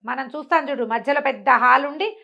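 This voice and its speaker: With a high, gravelly voice and a fairly quick pace, this Telugu-accented woman narrates a folk tale in a lively, chatty way. Like a storyteller, she asks questions and then answers them. The audio sounds dull.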